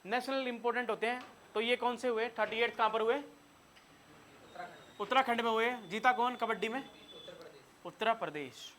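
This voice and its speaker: A man with a Hindi accent teaching a room of students, his voice high and bright as he quizzes them on facts. He keeps firing questions and telling the class what to note down. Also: little pitch movement, quick pace, slight background noise. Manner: quizzes students and has them take notes. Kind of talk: classroom lecture.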